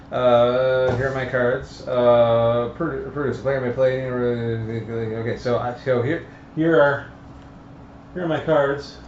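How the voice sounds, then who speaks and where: A man hosting a casual live tabletop game stream, explaining rules in a halting, flustered way. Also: mid-range voice, steady tone, darkish tone. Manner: halting, flustered delivery with repeated false starts. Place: echoey room with several mic stands. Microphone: stand mic. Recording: echoey, dull room recording with faint noise.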